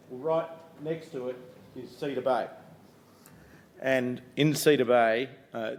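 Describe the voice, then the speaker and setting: A middle-aged man with a New Zealand accent and a loud voice, giving an upbeat investor presentation in a conference room, talking casually with lots of ums and uhs. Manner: upbeat, conversational pitch with frequent ums and uhs. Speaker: mining company executive presenting to investors.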